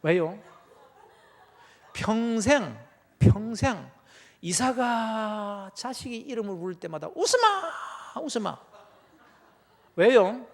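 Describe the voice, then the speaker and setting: A pastor preaching a revival sermon in a church, telling the story dramatically with rhetorical questions. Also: male voice, high-pitched, slow, long pauses, darkish tone.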